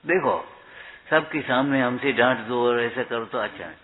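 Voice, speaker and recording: A man giving a spiritual discourse, chanting verses slowly and then explaining them in a questioning, chiding way. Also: mid-range voice. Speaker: preacher. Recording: tinny phone-like recording.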